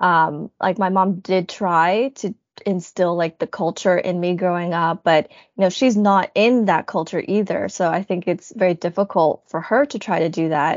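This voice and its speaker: A woman with a Canadian accent talks at a moderate pace and a medium pitch with ordinary pitch variation, in an unremarkable speaking voice. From Canada. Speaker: adoptee advocate. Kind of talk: interview.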